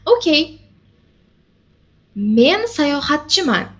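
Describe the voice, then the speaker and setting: Patient woman tutor, lively and slow. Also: sits high. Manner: patient, encouraging, lots of mm-hmms and checks. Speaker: language teacher. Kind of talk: one-on-one language lesson.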